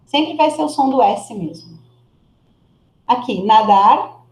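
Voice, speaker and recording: A Brazilian Spanish teacher in a video call, patiently coaching a student on pronunciation and slowly modeling each word. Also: female voice, sits high, big pitch swings, warm tone, roomy sound. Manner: patient, encouraging, models words slowly and repeats them.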